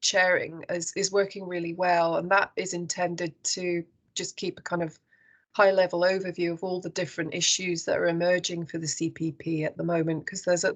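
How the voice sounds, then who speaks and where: A woman with a croaky voice presents a report to an online meeting. She speaks in a lowish, fairly flat tone, measured and unhurried. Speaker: council officer presenting a report.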